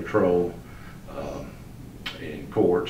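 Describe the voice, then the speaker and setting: A man with a very deep, low voice talks at a fairly slow pace. Light background noise and audible room echo are present. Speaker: witness. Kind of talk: interview answer. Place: hall. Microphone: camera far.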